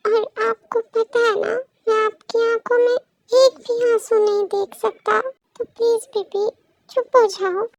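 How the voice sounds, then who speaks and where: A woman voicing a gentle father who soothes his crying daughter. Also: very high voice, level tone, slow pace, dry recording, distant mic, exaggerated voice, low-quality recording. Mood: soothing. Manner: soft, coaxing, reassuring. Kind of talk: fan story voice acting.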